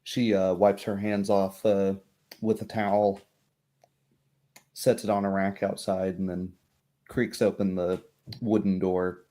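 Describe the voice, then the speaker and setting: A man narrating a tabletop game as game master, describing scenes in halting pieces. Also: low-pitched, little pitch movement, warm tone.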